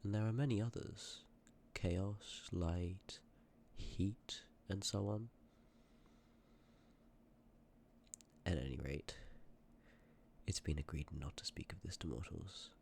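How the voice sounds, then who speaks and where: A man playing a sympathetic, courteous Death in an ASMR roleplay, speaking with measured, formal politeness and often dropping toward a breathy whisper. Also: low-pitched, darkish tone, a little hiss or hum. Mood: apologetic, explanatory. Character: sympathetic, courteous personification of Death, calm and ancient. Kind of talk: ASMR roleplay, scripted acting addressed to listener.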